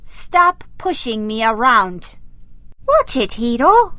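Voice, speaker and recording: A woman's voice: a little high, very animated, takes it slowly, sharp tone, dry recording, heavily acted. A woman voicing a brash, flirty, trigger-happy female sidekick in a video game, with a cocky, slangy manner. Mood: annoyed, sassy.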